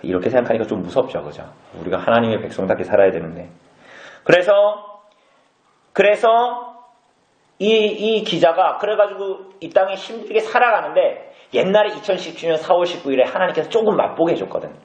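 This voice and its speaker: A pastor preaching a conversational sermon, often putting questions to the congregation. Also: male voice, on the high side, lively intonation, brisk. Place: church hall. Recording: echoey, dull church recording.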